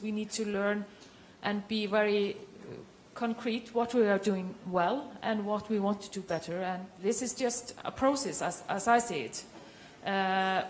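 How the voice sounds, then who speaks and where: Over light background noise, a woman speaks at a very slow pace with fairly even intonation. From Iceland. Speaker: agency director; conference presenter. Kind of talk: lecture; conference talk. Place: hall.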